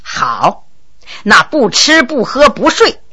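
A woman voicing a bold, blunt low-ranking male county magistrate who talks in a cool, sly, deliberate way. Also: wildly swooping pitch, bright, forceful tone, breathy edge, heavily acted.

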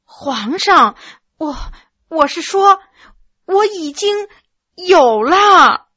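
A woman's voice: very high-pitched, lively intonation, very slow, bright, forceful tone, no room sound, pitched above the performer's own voice, heavily acted. A woman voicing a coy, anxious young court lady who hesitates, stammers and sighs, in a slightly muffled recording. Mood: shy.

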